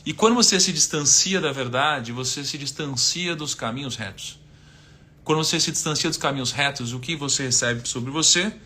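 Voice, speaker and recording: Bright-voiced Brazilian man teaching casually. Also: medium pitch, moderate pace. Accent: Brazilian Portuguese. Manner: conversational, asks rhetorical questions, quotes scripture. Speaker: finance speaker giving a faith-based talk. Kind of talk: casual teaching talk, live stream.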